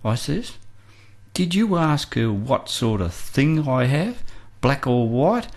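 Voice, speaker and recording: A man's voice: mid-range voice, big pitch swings, takes it slowly. An actor playing an aggrieved Aboriginal man giving his account at trial in a radio play, in plain colloquial speech. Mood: aggrieved, agitated. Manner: plain-spoken, colloquial storytelling. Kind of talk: radio play monologue recounting events.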